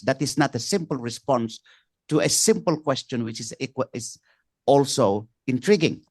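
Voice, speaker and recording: A Filipino-accented man whose first tongue is Ilocano chairs a panel at a conference. He pauses often, restarts his phrases and fills gaps with "uh". His voice sits at a middle pitch and sounds dry and close. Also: no room sound. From Philippines. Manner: halting, with many fillers and restarts. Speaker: conference president and moderator.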